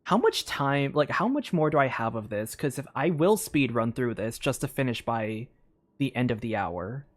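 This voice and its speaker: Casual excitable game streamer; chatty commentary, steady middle pitch. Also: normal speed. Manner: excitable, chatty, reads game text aloud.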